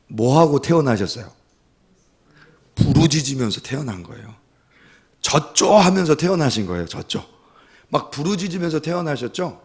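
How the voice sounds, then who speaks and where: A man, the church's pastor, preaching a sermon, questioning the congregation and rising to loud emphatic peaks. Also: a little high. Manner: preaching with rising shouts on quoted scolding and scripture; asks the congregation questions directly.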